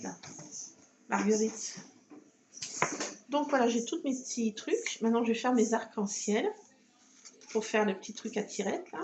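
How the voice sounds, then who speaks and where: A woman's voice: a little high, gravelly, darkish tone, a little hiss or hum, low-quality recording. A woman chatting casually to camera while she works on a craft project at her table, talking to herself as she goes. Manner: chatty, self-talking, fussing over her cat. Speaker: scrapbooking video host. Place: home craft table at night.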